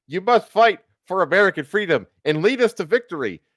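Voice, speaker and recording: A man's voice: sits high, lively intonation, brisk, a bit bright, no echo, clean studio sound, pitched above the performer's own voice. A man voicing a living Constitution as a stern, bossy commander in a comic story reading. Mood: commanding.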